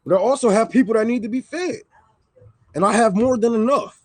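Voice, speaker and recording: A man's voice: very high voice, a little fast, no room sound. A man on a livestream, ranting heatedly and with profanity, repeating lines for emphasis. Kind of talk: livestream rant. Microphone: microphone.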